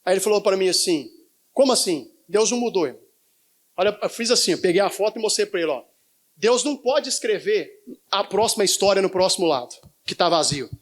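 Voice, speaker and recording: Male pastor, high-pitched, live sermon, call-and-response with the congregation. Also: animated, fast. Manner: prompts the congregation to finish his sentences. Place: church in front of a congregation.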